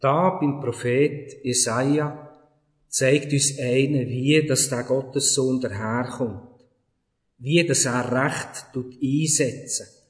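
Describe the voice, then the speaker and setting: A man speaks very slowly in a fairly high, somewhat breathy voice with fairly even intonation, and room echo is audible. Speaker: pastor. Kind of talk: sermon.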